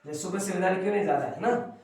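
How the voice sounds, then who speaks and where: A man's voice: high-pitched, rapid-fire, a little mellow. A man teaching an English grammar lesson, repeating key phrases and drilling pronunciation. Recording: echoey room, from a distance.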